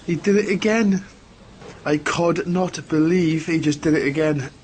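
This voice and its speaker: A man's voice: fairly high pitch, measured pace, darkish tone, a little hiss or hum, close to an everyday voice. A man playing an exasperated, disbelieving researcher in a radio drama. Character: exasperated male researcher fed up with puns.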